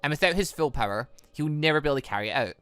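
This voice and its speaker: A man voicing a calm, teasing, all-knowing warrior mother from a visual novel, telling lore in a patient, measured way. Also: a little high, clean tone, no room sound. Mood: solemn storytelling.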